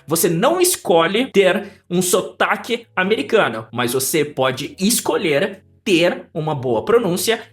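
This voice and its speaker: A man teaching in a lively, emphatic way, asking rhetorical questions and giving advice to learners. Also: sits high, a little slow. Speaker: English teacher. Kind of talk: lecture to camera.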